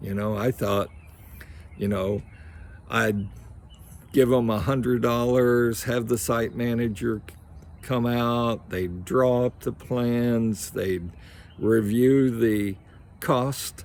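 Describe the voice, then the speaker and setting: Pausing long and often, a man speaks very slowly at a medium pitch with fairly even intonation. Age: 70s. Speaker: consumer vlogger. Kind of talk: personal complaint vlog. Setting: outdoors in backyard. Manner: halting, with repeated words.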